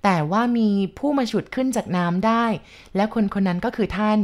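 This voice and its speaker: A woman's voice: medium pitch, a little fast, pitched above the performer's own voice, close to an everyday voice. A woman reading a novel aloud, voicing a shy and devoted teenage girl who speaks politely and hesitantly. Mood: earnest.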